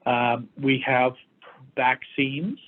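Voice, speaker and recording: A man with a hoarse voice from a lingering respiratory infection, giving an informal medical briefing as a doctor, explaining things in measured, emphatic phrases. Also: mid-range voice, steady tone, slight background noise. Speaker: doctor hosting a health update for firefighters and EMS. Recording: thin, phone-like band-limited audio.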